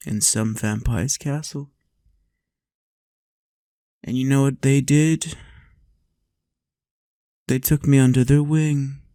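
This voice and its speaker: Slow, doting vampire lord, played by a man. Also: medium pitch, dark tone, no room sound, studio quality, lightly acted. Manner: soothing, unhurried, lapses into whispers and chuckles. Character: lonely, doting male vampire lord, playful and coaxing. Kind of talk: intimate roleplay monologue to the listener.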